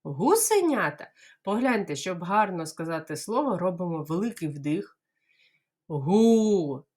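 A Ukrainian woman teaching small children to say words clearly, modelling them slowly syllable by syllable and imitating bird calls. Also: on the low side, expressive. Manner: slow, exaggerated syllable-by-syllable modelling; playful bird-call imitations. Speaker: kindergarten teacher. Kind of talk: speech lesson for small children.

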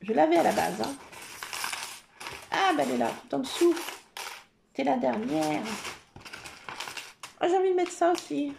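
A woman with a high, gravelly voice and lively intonation talks at a moderate pace, with long pauses, while working on a scrapbook page. As a scrapbooking vlogger, she chats playfully to viewers and pokes fun at herself. Background noise is audible.

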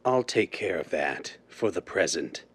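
An actor playing an ominous, commanding crime boss who speaks tersely and gravely, in 1930s radio style. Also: male voice, low voice, expressive, measured pace, fairly bright tone, heavily acted. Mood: cold, commanding. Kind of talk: 1930s radio drama acting.

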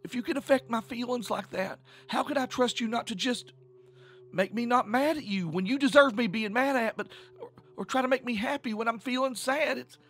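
Guy doing a upset girl in an audio story, voice way up high, emotional, stumbling over words. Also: animated, creaky, breathy edge, full character voice. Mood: hurt, angry. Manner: halting, emotional, pleading. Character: hurt, angry young woman confronting her lover.

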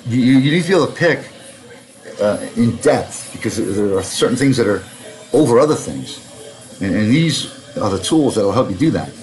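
A middle-aged man with a New York accent teaching a software tutorial, wandering into chatty asides and repeating himself. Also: medium pitch, sing-song, normal speed, soft background music, poor audio. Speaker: software instructor. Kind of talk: screen-recorded software tutorial.

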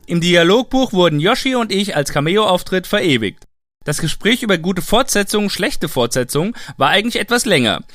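A man's voice: high-pitched, a bit bright, no echo. A man giving informal explanatory commentary as the maker and presenter of an audio drama.

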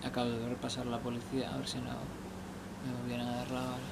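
This young male vlogger speaks fairly quickly in a creaky, monotone, medium-pitched voice. He gives rambling, hesitant casual advice full of restarts, recorded noisily outdoors at night beneath a station shelter.

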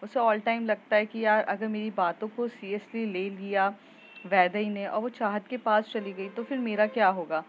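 A woman's voice: mid-range voice, fairly even intonation, a little slow, muffled recording, slight background noise. A woman narrating a love story in a chatty, casual way, with fillers and restarts.

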